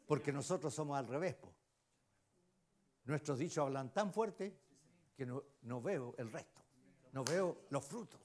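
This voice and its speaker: A man with a Chilean accent preaching a sermon, often turning to the congregation with questions and swinging between loud exclamations and hushed asides. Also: medium pitch, lively intonation, unhurried, long pauses. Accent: Chilean Spanish. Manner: emphatic, keeps asking the congregation rhetorical questions. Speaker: lay preacher.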